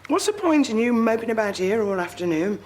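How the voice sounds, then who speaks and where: Chatty receptionist, teasing and nosy, faint hiss. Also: female voice, fairly high pitch, sing-song, fairly quick, darkish tone. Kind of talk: TV drama acting.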